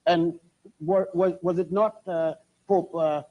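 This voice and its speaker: An older man from Puerto Rico, a guest historian who lectures with halting restarts and spells words out letter by letter. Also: fairly high pitch, fairly even intonation. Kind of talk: lecturing TV interview. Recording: dull lo-fi TV audio.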